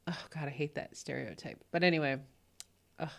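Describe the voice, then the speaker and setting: A woman's voice: moderate pace, vocal fry. A woman, telling a story in casual podcast chat with lots of fillers and laughs. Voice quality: low voice, morning voice. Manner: rambling, frequent fillers and laughs. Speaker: podcast host. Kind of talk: casual spoken anecdote.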